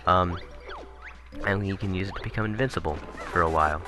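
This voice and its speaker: A let's play commentator with a deep voice rambles through casual gameplay commentary at a fairly quick pace, correcting himself and tossing in chuckling asides. His voice is getting raspy, and game music plays behind him.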